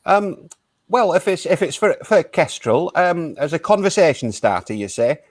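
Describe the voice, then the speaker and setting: An improv performer plays an awkward DJ hosting a small radio station, stammering and restarting as he talks with callers. His slightly high voice has lively intonation, and he sounds flustered, hesitant, and halting in a dry, studio-quality recording.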